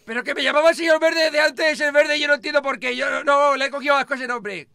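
Man, very high pitch, dry close audio, stammering, panicky, game roleplay host. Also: fast talker, vocal fry, no echo. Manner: panicky, stammering, whining and shouting. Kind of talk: Minecraft roleplay chat.

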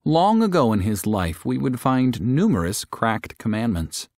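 A male audiobook narrator reads religious prose with earnest, careful articulation. His medium-pitched voice rises and falls in a lively way. The sound is dry and close, with no room around it. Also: a little slow, no room sound.

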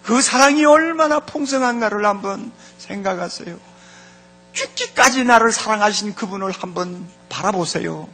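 A man's voice: high-pitched, lively intonation, normal speed, fairly bright tone, faint music behind. A man preaching a sermon as pastor, fervent, repeating key words and speaking straight to the congregation.

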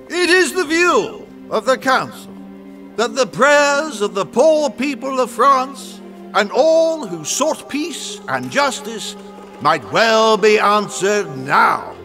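A man's voice: extremely high pitch, pushed and bright, exaggerated voice. A man playing a grave, learned friar and theology dean in an audio drama, formal and oratorical.

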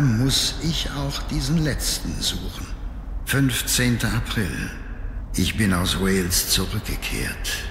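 A weary old nobleman narrates his diary in a dramatic game style. His delivery is slow, grave and deliberate, with a widely moving melody. Long echoing reverb surrounds the voice. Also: medium pitch, a little hiss or hum. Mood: somber. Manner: solemn, deliberate, theatrical.

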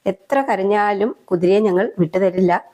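A woman's voice: mid-range voice, moderate pace, mellow, natural voice. A woman voicing two bold, stubborn young boys in a storybook retelling, defiant and matter-of-fact.

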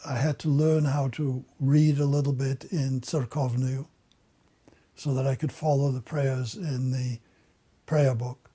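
An older man whose first language is German gives measured, reflective testimony. His voice is dark and somewhat husky. He is interviewed indoors in an office. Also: medium pitch, little pitch movement.

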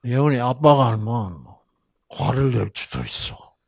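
A man's voice: mid-range voice, a little slow, gravelly, no room sound, clean studio sound. An older man giving a Bible lecture in storytelling style, acting out voices and asking his audience questions.

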